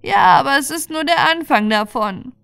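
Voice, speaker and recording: A woman's voice: high-pitched, animated, moderate pace, a bit bright, soft background music, pitched above the performer's own voice. A woman voicing a talkative, bossy old moor witch in a fairy tale, insistent and lecturing. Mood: sly, eager.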